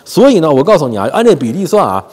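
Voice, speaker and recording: This commentary channel host talks rapid-fire in a fairly high, slightly rough voice, cracking jokes through a loose monologue. Frequent laughs and stumbling repeats fill it out, picked up by a lapel mic in a space with long hall reverb.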